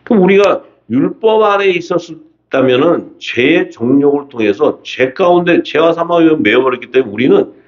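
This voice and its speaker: Lively Korean man preaching a sermon. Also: fairly high pitch, moderate pace, few pauses. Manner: colloquial and animated, asking rhetorical questions and voicing scripture. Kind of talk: seminar sermon. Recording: dull lo-fi audio.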